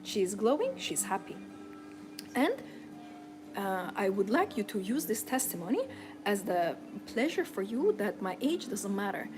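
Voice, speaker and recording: A woman's voice: medium pitch, big pitch swings, unhurried, music in the background. A woman hosting a live stream as a femininity coach, chatting and encouraging her viewers with frequent fillers and restarts. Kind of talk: live-stream talk answering viewers' comments.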